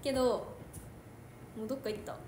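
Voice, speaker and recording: Playful Kansai woman, high lively voice, casual stream chat, echoey room. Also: fairly quick. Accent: Kansai Japanese. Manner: chatty, giggly, playful. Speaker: idol livestream host. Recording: echoey room with faint noise.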